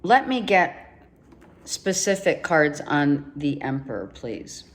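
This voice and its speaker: Slow low-voiced woman reading tarot. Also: sing-song. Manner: emphatic, repeats herself, talks straight to the viewer. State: losing her voice, coughing. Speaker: tarot reader.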